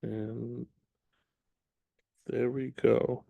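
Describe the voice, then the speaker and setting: A man teaching an online class as a real estate trainer, his voice slightly raspy from much teaching, chatty and relaxed with many ums. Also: medium pitch, extremely slow, dry recording. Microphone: video call.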